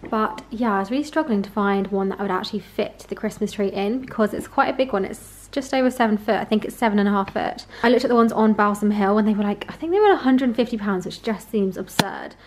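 A woman's voice: mid-range voice, fast, hardly any pauses, slight background noise. Chatty British woman vlogging at home. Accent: British English. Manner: chatty, gushing, soft and relaxed. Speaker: lifestyle vlogger. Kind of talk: casual vlog chat to camera. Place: at home in an apartment.

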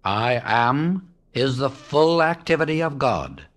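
A man reading a devotional book aloud as an audiobook narrator, in a measured, reverent way with long pauses. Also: mid-range voice, lively intonation. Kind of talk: slow, solemn reading of devotional text.

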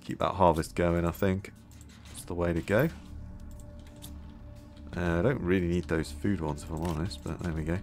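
A man musing aloud as he plays a game, his voice a little hoarse, with many fillers. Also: deep voice, fairly even intonation, moderate pace, pauses often, darkish tone, soft background music. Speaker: gameplay video host. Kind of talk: casual gameplay commentary.

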